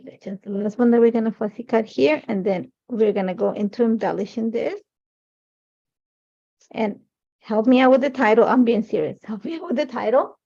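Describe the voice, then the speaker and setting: This crafting host, a middle-aged woman whose first language is Spanish and whose accent is Ecuadorian, leads a live demo at a crafting desk filmed from overhead. She talks casually, thinking out loud, in a slightly high, creaky, mellow voice, carried by dull lo-fi stream audio.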